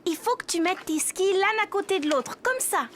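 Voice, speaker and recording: A woman's voice: extremely high pitch, animated, moderate pace, slight background noise. A woman voicing a friendly, encouraging little girl in a children's cartoon.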